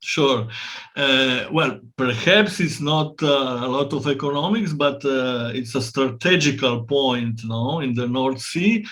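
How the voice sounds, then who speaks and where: A man's voice: mid-range voice, a little slow, fairly bright tone. A man with an Italian accent hosting an interview, speaking hesitantly in English as a second language with many restarts and fillers. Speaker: interviewer, host.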